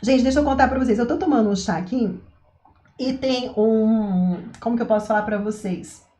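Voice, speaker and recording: Woman, parenting educator, casual vlog talk, chatty and a bit high-pitched, roomy echo. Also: normal speed, warm tone. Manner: chatty, asks rhetorical questions, says "né" and "tá" often. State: throat itch, coughs now and then.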